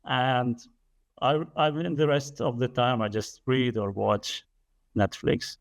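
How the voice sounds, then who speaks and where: A man's voice: mid-range voice, takes it slowly, gravelly. A man in his late thirties whose first language is Arabic, a podcast guest explaining things earnestly and carefully in conversation. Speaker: podcast guest, energy business developer.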